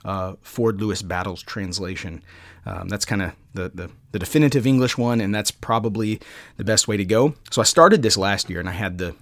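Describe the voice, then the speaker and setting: A man hosting a podcast, talking casually and haltingly, with frequent pauses as he recommends books. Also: lowish voice, fairly bright tone, no echo, studio quality. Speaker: podcast host.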